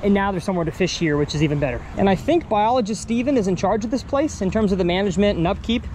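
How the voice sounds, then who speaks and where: Speaking very fast in a high, animated, slightly mellow voice, a Texan fishing vlogger chats his way through a session at an outdoor pond. He's upbeat and chatty, thinking aloud as he fishes, with faint ambient noise in the background.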